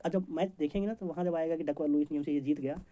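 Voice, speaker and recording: Fast-talking male exam teacher. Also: fairly high pitch, fairly even intonation, warm tone. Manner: rapid, chatty, jokey teaching with homely examples. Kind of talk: memory-trick lesson for competitive exams.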